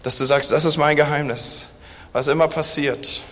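High-voiced preacher man in reverberant hall. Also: fairly even intonation, normal speed. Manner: emphatic preacher, rhetorical questions, drops to quiet intensity. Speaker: pastor. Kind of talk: sermon. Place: church service. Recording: long church reverb.

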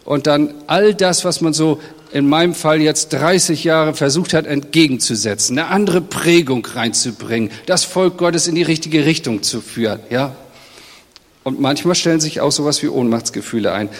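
A man's voice: a little high, normal speed. A middle-aged man, a pastor, giving a sermon in a direct, conversational way and speaking straight to his congregation. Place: church hall. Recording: long reverb of a church hall.

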